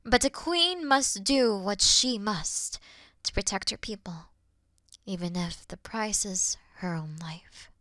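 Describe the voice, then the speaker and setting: A woman playing a weary, noble and gentle demon queen in a fantasy audio roleplay, speaking earnestly in a breathy, hushed way. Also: medium pitch, dry recording. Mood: solemn, resigned. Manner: solemn, slow, earnest, breathy hushed delivery.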